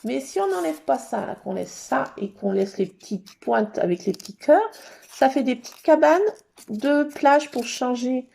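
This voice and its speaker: A woman hosting a casual craft session, chatting to her viewers and thinking aloud as she works, with sudden bursts of excitement. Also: high-pitched, measured pace, gravelly. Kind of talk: casual craft tutorial chat.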